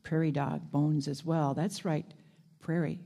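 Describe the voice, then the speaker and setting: A woman's voice: low voice, little pitch movement, mellow, voice pushed down. Woman reading as a wry old dog. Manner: plain reading voice, unhurried storytelling. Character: clever old male dog, proud and wry. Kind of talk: reading a first-person story aloud.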